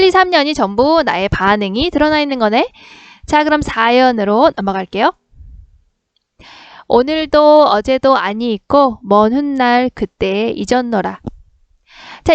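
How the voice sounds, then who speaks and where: Young woman teacher, smooth voice, dull lo-fi recording, explains a poem with questions she answers herself. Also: fairly high pitch, dry recording.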